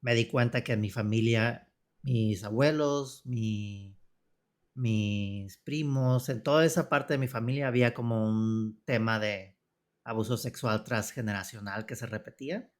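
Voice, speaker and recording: Guest psychotherapist, northern Mexican man in his forties, calm and reflective. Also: mid-range voice, a little slow. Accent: northern Mexican Spanish. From Tijuana, Mexico. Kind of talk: personal testimony in interview.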